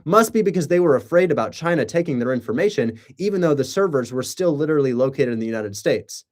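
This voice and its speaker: A man's voice: fairly high pitch, lively intonation, quick pace. A man chatting casually on a livestream, rambling with sarcastic asides and rhetorical questions. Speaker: live streamer and real estate wholesaler.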